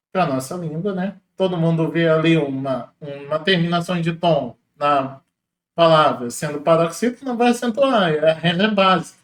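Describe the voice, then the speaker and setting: A man walks through exam questions as a teacher, in a casual, explanatory way, slowing down to spell out syllables. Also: high voice, echoey room. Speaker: Portuguese teacher.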